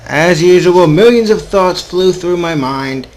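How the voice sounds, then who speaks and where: A man's voice: high-pitched, unhurried, darkish tone, poor audio. A young adult man hosting a casual gaming video, reading story text aloud informally with offhand asides and the occasional stumble.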